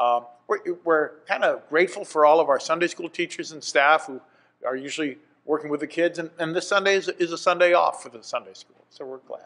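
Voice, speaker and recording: A fairly quick, high-pitched male voice with normal rises and falls in pitch. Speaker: minister giving announcements. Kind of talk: church announcements. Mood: warm, upbeat. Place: church.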